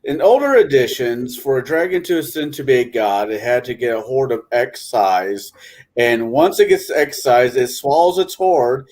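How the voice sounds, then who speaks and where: A man's voice: mid-range voice, lively intonation, moderate pace, darkish tone. A man chatting casually as a game master on a gaming panel, rambling, stumbling and correcting himself. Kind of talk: casual chat.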